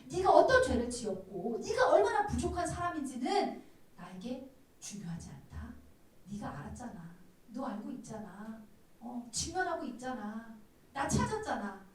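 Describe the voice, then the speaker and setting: Woman pastor doing a gentle savior voice, soft and coaxing, lots of lilt, big echo from far off. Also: extremely high pitch, sing-song, brisk, voice pushed up. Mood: tender, pleading. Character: gentle divine male savior, tender and pleading. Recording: very echoey room, distant mic.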